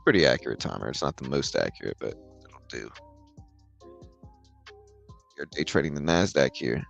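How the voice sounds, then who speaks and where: A tired man with a very deep voice, hosting a live trading stream in a relaxed, rambling way and answering chat questions. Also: normal speed, gravelly, faint music behind. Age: adult with a daughter. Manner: relaxed, rambling, filler-heavy explaining. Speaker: livestream trading host. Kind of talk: casual live market commentary, reading chat questions.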